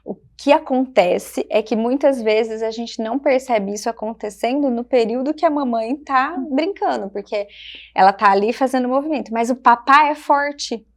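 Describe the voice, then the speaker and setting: A woman with a Brazilian Portuguese accent, a child development specialist speaking gently and reflectively in short phrases on a podcast. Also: fairly high pitch, moderate pace. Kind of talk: podcast conversation.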